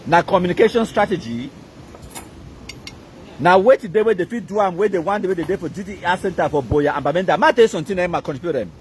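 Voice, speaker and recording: A man's voice: high voice, fast, slight background noise. A Cameroonian man with a Cameroonian accent, giving an emphatic, repetitive live-stream rant that mixes pidgin and English.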